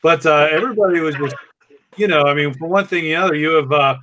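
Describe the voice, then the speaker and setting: A man with a fairly high voice chats in a casual group discussion. His way of talking is informal and jokey. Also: fast, a bit bright.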